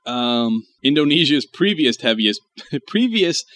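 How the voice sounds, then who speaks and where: A man's voice: medium pitch, sing-song, slow pace, a bit bright. A man hosting a comedy podcast, reading articles aloud and riffing with crude jokes while chuckling. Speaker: podcast host. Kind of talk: casual comedy podcast chat.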